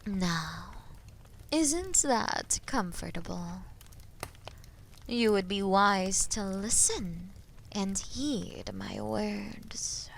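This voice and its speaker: A woman voicing a haughty, menacing female dragon in a fantasy audio roleplay, imperious and possessive, with deliberate delivery and breathy phrase endings. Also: medium pitch, sing-song, a little hiss or hum, full character voice. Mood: commanding. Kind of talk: slow, dramatic roleplay audio acting.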